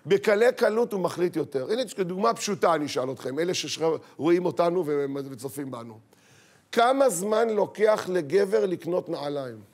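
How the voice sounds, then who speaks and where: Animated high-voiced man preaching. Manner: animated, acts out quoted voices, rhetorical questions. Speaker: rabbi giving a talk. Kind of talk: lively sermon to an audience.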